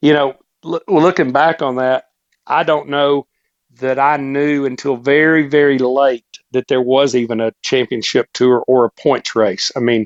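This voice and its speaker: A man speaks with an East Tennessee accent at a fairly high pitch. His pace is fairly slow and his intonation fairly even. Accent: US Southern (East Tennessee). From Tennessee, Knoxville. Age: 50s. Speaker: amateur clay target shooter. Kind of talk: podcast interview.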